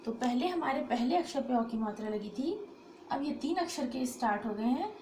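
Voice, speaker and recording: A woman teaching young children a Hindi lesson, drawing out each syllable slowly. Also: high voice, lively intonation, a little mellow. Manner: slow, drawn-out syllables. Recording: echoey room, faint noise.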